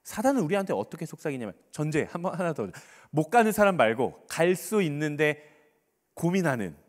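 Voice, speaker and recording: A male pastor preaching a sermon in a church, animated, repeating words for emphasis and sometimes dropping to a whisper. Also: fairly high pitch, fairly quick. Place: church sanctuary. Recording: reverberant church hall.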